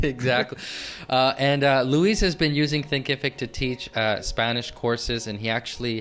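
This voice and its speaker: Moderate pace and medium pitch from a man with an American accent, with ordinary pitch variation. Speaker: online course interviewer. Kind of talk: interview. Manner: hesitant with many fillers.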